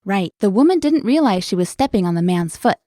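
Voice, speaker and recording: A woman hosting a language lesson, explaining words clearly in an upbeat, scripted way. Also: mid-range voice, lively intonation, fairly quick, warm tone, no echo, clean studio sound.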